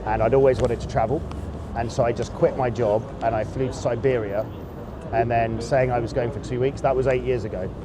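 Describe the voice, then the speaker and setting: A man in his late thirties, a dating coach chatting on the street and then giving a blunt sales pitch. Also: steady tone, fairly quick, background noise. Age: 30s. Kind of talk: street approach conversation and direct pitch to camera.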